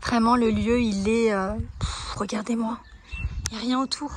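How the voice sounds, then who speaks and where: A lifestyle vlogger chats casually to the camera outdoors at a countryside ranch, gushing with enthusiasm over what she shows. Her voice is fairly high and steady, at a moderate pace. The recording has a roomy echo and faint ambient noise.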